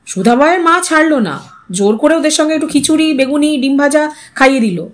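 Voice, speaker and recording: A woman's voice: high voice, animated, fairly quick, pitched above the performer's own voice. A woman voicing an impatient, defiant teenage boy who answers brusquely, in an audio story. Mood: casual, offhand. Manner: brusque, irritated retorts. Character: impatient, defiant teenage son, casual and touchy.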